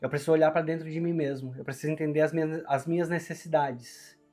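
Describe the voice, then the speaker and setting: Brazilian man with strained, sore-throated, higher voice. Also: steady tone, fast, mellow, faint music behind. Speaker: tarot reader, channel host. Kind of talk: conversational tarot reading to viewers.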